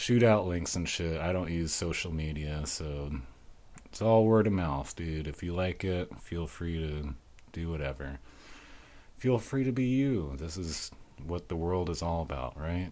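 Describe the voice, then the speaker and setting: Very deep and low, this man's voice has a dark, mellow tone. He speaks fairly slowly with lively intonation. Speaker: podcast host. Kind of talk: casual chat. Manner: subdued in intros, livelier in interview.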